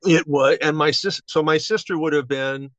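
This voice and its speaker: Man in his seventies, casual reminiscing, halting and rambling, dull lo-fi audio, very dry. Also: fairly high pitch, fairly even intonation, fairly bright tone, no room sound. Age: 70s. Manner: halting, rambling with false starts. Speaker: interview guest. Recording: dull, band-limited audio.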